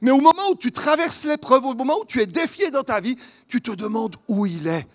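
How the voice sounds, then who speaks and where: A man with a Vaud Swiss French accent preaching a sermon at a church conference, earnest and questioning, swinging between loud emphasis and hushed lines. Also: extremely high pitch, animated, fairly quick. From Vaud, Switzerland.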